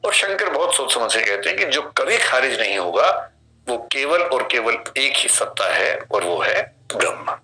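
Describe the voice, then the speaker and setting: A man's voice: mid-range voice, very animated, moderate pace, sharp tone, poor audio. A man in his fifties with an Indian accent, giving a classroom lecture and explaining through questions and vivid examples. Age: 50s. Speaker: philosophy teacher.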